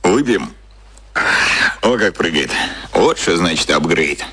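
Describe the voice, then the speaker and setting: Cynical boss, low voice, lively swooping intonation, offhand, cocky, radio drama. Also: male voice, slow pace, husky, exaggerated voice. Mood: amused, smug. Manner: offhand, colloquial explaining. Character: cynical, cocky male boss explaining secret media machinery.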